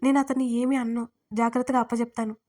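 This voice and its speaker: An anxious, soft-hearted man in his thirties, pleading and then standing firm, as a woman reads his lines in an audio story. The voice sits fairly high, with a narrow, even pitch. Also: fast talker, lightly acted. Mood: worried. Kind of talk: audiobook character reading.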